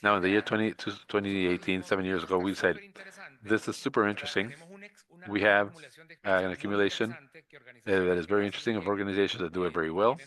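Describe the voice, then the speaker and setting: A man's voice: lowish voice, fairly even intonation, fast, fairly bright tone. A man from Rica, giving a conference presentation in hesitant English, full of filler sounds and restarts. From Costa Rica. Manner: hesitant, many filler uhs and restarts, speaking English as a second language. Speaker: conference speaker.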